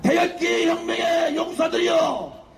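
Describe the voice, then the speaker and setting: A man giving a fiery shouted speech at an outdoor political rally, chanting slogans to the crowd. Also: extremely high pitch, steady tone, unhurried, gravelly, music in the background. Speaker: rally speaker. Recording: echoey outdoor PA with crowd noise.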